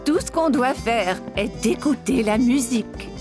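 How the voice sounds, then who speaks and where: Cartoon role: playful, affectionate grandmother, fairly high voice, encouraging, music clearly behind. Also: expressive, measured pace. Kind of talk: children's cartoon voice acting. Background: background music.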